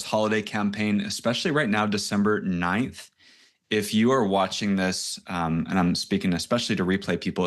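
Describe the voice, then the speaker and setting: Male webinar host, lower voice, casual and rambling, video call audio. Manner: rambling, self-deprecating, loose and chatty. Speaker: host and coach. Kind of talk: casual online coaching session.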